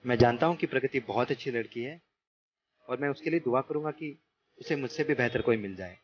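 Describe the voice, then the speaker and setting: An actor in an amateur radio play voicing a kind, gentle disabled man who speaks earnestly and apologetically. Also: medium pitch, brisk, close to an everyday voice. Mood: apologetic. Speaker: husband of a blind professor. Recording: muffled lo-fi recording.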